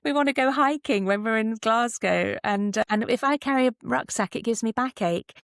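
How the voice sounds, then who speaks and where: A British woman answering casually as a podcast guest, animated, candid and self-deprecating. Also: on the high side, fairly quick, no room sound, studio quality. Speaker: guest, actor and writer.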